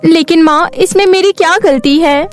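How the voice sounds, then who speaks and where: Woman as a high-voiced gentle, wronged young stepdaughter. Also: normal speed. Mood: hurt, protesting. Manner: meek, pleading, tearful when hurt. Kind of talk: cartoon moral story dialogue. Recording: faint music bed behind voice.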